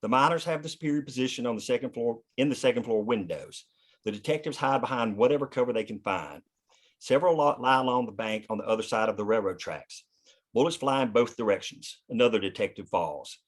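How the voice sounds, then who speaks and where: A man's voice: mid-range voice, a little fast. A man narrating scripted action and scene headings at a screenplay table read. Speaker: narrator reading stage directions.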